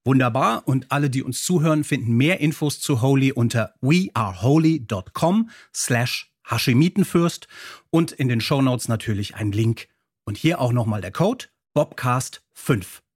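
A man's voice: medium pitch, expressive, normal speed, breathy edge. A man hosting a podcast, presenting and reading prepared text in a polished way. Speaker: podcast host.

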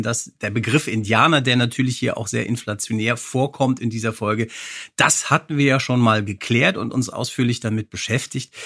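A man's voice: mid-range voice, a bit bright, dry recording, clean studio sound. A man co-hosting a podcast in casual, conversational German-style recap chat, informal in his delivery. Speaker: podcast co-host.

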